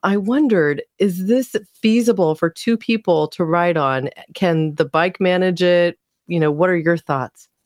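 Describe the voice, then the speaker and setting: A woman's plain, everyday voice, fairly low in pitch with ordinary pitch variation, at a fairly slow pace with very even loudness, dry and close with no echo. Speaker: podcast host. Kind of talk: interview.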